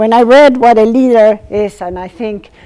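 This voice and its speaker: Speaking with an Argentine accent, a woman talks at a moderate pace and a medium pitch. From Argentina. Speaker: architect. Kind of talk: lecture.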